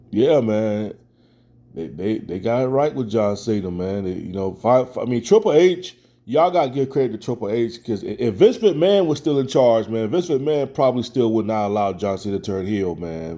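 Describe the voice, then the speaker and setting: A man's voice: fairly low pitch, mellow. An American man giving casual, opinionated commentary as a wrestling fan, in colloquial speech, often repeating phrases for emphasis.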